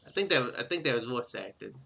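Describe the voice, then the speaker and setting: A man hosting a Let's Play gaming series talks casually and reads story text aloud in a bright, forceful, mid-range voice with vocal fry. His delivery is sing-song and a little fast, but also hesitant, rambling and self-correcting.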